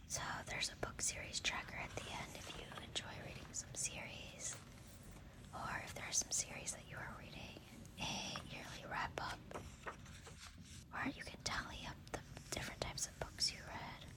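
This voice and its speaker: Someone whispers at a moderate pace with long, frequent pauses, over noticeable background noise. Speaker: booktube / ASMR content creator. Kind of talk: ASMR unboxing, whispered talk to camera. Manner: whispered, soft-spoken.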